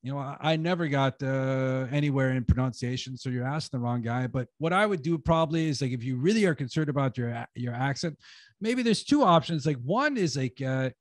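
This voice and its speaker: A man's voice: mid-range voice, expressive, fairly quick, dry recording. A man giving a casual talk on writing at an online conference, full of "like" and "you know" fillers, speaking over a video call. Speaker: guest speaker, writing teacher.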